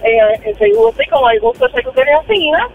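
A woman's voice: very high-pitched, very animated, fast talker, vocal fry. A woman from Puerto Rico with a Puerto Rican accent, a small business owner phoning in to a radio show in a friendly manner. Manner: friendly, laughs at herself. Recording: tinny phone line with music.

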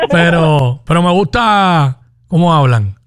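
A man with a high voice and a Puerto Rican accent hosts a call-in radio show. He jokes and teases his way through casual banter with his co-host and callers. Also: huge pitch swings, takes it slowly. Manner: joking, teasing.

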